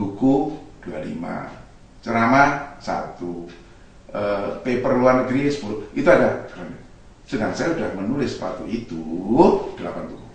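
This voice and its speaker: A man talks at a moderate pace with a medium pitch and lively intonation. Long, frequent pauses break his speech, and the room echo is audible. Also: big swings in loudness. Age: 70s. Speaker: professor and former bank executive. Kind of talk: motivational talk. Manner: halting.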